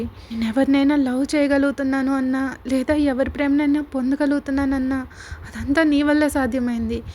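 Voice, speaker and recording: A woman reading the part of a firm, calm young male lawyer in an audio story, with an earnest, measured delivery. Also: high voice, a little hiss or hum, close to an everyday voice.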